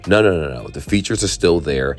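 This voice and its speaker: Hoarse, very deep-voiced man. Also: animated, a little fast. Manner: chatty, frank, drifts into asides. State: hoarse, voice worn out. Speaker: tech channel host. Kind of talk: casual explainer talking to viewers.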